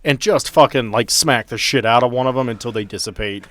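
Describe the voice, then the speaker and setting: A man's voice: mid-range voice, fairly quick, a bit bright, no echo. A man playing a tabletop game, casually and bluntly narrating what his character does, with plenty of swearing.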